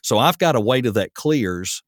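A man's voice: mid-range voice, normal speed, dry recording, clean studio sound. A man hosting a podcast, chatting casually in a rambling way with plenty of fillers. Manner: rambling, relaxed, lots of fillers. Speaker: podcast host. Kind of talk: casual chat.

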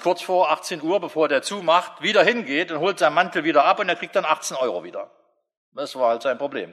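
A middle-aged man preaches with a bright, animated delivery and a fairly high voice. He jokes and turns straight to his listeners. His words ring out with the long reverb of a church hall. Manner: lively, humorous, direct address to listeners. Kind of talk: sermon.

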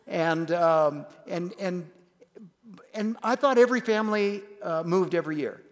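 A man's voice: sits high, a little slow. A man in his fifties telling a family story to a church congregation in an earnest way. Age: 50s. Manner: earnest, with frequent uh fillers. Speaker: church guest speaker. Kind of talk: storytelling on stage. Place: large church auditorium. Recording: long hall reverb.

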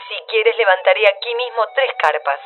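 An Argentine woman narrates a radio drama from a script. Her voice sits at a medium pitch, with music playing behind it. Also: animated, moderate pace, narrow, tinny audio. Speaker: narrator and radio announcer reading the Gospel. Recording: background music under the voice.

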